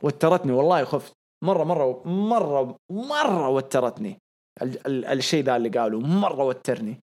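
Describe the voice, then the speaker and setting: A young man, co-hosting a podcast in casual commentary, excitable and repeating phrases for emphasis. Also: mid-range voice, a little fast. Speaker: podcast co-host.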